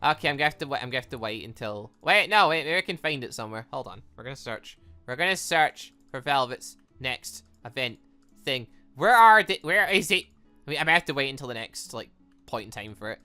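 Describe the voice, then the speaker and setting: A gaming video host giving casual let's play commentary, chatty, rambling and excitable, thinking aloud as they go. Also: medium pitch, fairly quick, smooth, soft background music.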